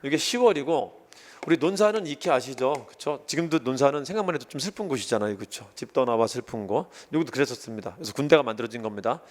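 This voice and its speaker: A fast-talking man with a mid-range voice gives an exam-prep history lecture in a casual, animated style. As he goes, he briefly acts out the lines he quotes.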